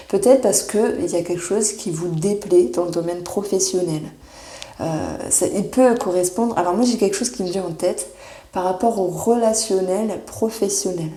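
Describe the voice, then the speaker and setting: A woman giving a monthly horoscope tarot reading, reassuring and often pausing with fillers as she searches for words. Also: fairly low pitch, warm tone. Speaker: tarot reader. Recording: echoey room.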